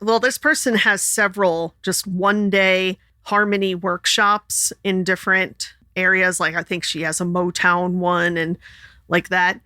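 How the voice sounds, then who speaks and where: A woman's voice: steady tone, measured pace, bright, forceful tone, no room sound, clean studio sound. A woman co-hosting a podcast, chatting casually and laughing often. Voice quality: sings alto and high tenor. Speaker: podcast co-host. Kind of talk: casual chat.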